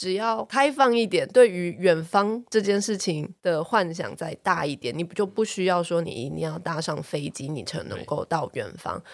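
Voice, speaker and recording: Using a normal speaking voice, a woman at a fairly low pitch talks at a moderate pace with lively intonation and hardly any pauses. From Taiwan, Taichung. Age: 30s. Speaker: lawyer. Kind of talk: casual chat.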